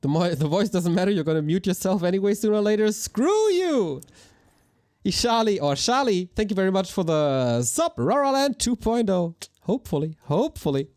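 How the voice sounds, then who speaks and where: A man with a hoarse voice, casting a live strategy game match in an energetic, chatty way while thanking viewers. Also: high voice, normal speed. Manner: energetic, chatty, talks to chat. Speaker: esports caster. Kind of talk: live game commentary with chat shout-outs.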